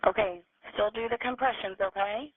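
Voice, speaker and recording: A woman's voice: mid-range voice, moderate pace, background noise. A woman working as an emergency dispatcher, asking questions and giving procedural instructions over a tinny phone line. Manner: procedural, directive.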